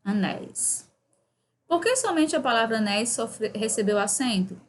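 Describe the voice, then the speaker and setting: A woman's voice: fairly high pitch, expressive, normal speed. A woman with a Brazilian Portuguese accent, teaching a seventh-grade grammar lesson, reading exercises aloud and checking in with frequent "né?" tags.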